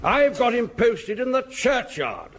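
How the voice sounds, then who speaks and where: An actor playing a blustering, curt, easily exasperated English army captain in a radio sitcom. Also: male voice, very high-pitched, huge pitch swings, measured pace, fairly bright tone, heavily acted. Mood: impatient. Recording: noisy old radio comedy recording.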